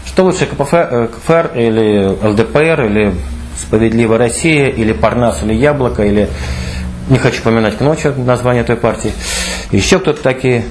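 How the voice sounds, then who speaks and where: A man's voice: a little fast, a little mellow, slight background noise, poor audio. A middle-aged man speaking off the cuff at a meeting, emphatic and repetitive, his voice rising when he urges people on. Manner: emphatic, repeats phrases, pitch climbs when urging. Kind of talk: impromptu public speech.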